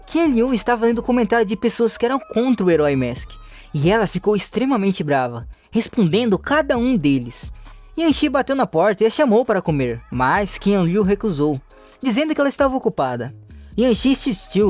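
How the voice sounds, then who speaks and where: Lively high-voiced man narrating a recap. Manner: lively storytelling with rising and falling pitch. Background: faint background music.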